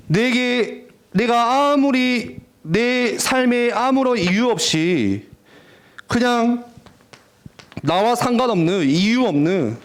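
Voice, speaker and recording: Animated high-voiced youth preacher man. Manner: animated storytelling, acting out teen voices. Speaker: youth pastor. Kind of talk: lively youth sermon.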